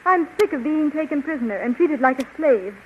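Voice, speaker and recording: A homesick young heroine. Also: female voice, high voice, expressive, a little fast, a little hiss or hum. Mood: pleading. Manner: pleading, anxious. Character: young woman, weary, longing for home. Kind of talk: 1930s radio drama acting. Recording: dull 1930s radio recording.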